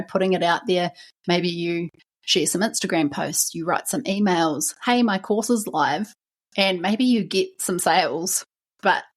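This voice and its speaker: A woman with a New Zealand accent hosting a solo podcast, chatty and encouraging, with frequent fillers. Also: on the low side. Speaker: podcast host.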